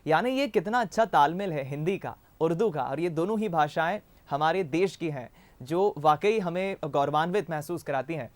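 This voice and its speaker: A man hosting a news show, leading a formal studio discussion with measured speech and some restarts. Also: a little high, expressive, dry recording.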